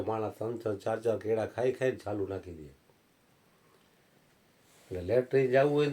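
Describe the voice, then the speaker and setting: Folksy preacher. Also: male voice, mid-range voice, mellow. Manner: folksy anecdotal storytelling. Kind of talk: satsang sermon storytelling.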